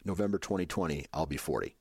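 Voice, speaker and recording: Very deep-voiced man in his late thirties. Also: fast, darkish tone, breathy edge, dry recording, clean studio sound. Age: 30s. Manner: laid-back, hesitant with many ums and uhs. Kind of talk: casual chat.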